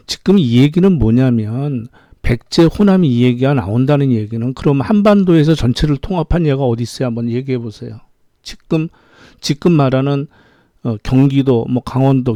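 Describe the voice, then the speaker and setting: A man's voice: medium pitch, mellow, dry recording. Indignant man firing rhetorical questions. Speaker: political commentator. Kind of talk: opinionated political monologue.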